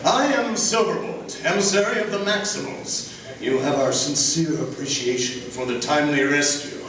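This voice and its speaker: An actor playing a noble, courteous robot warrior who speaks formally and earnestly in a live dramatic reading. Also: male voice, on the high side, moderate pace, crowd noise, lightly acted. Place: live convention stage. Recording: echoey stage, distant mic, noisy.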